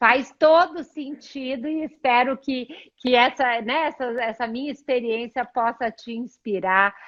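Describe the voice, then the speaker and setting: A woman's high-pitched voice at a fairly slow pace, with ordinary pitch variation and big swings in loudness. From Brazil. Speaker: entrepreneur, immigrant interview guest. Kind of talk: casual interview chat on a livestream.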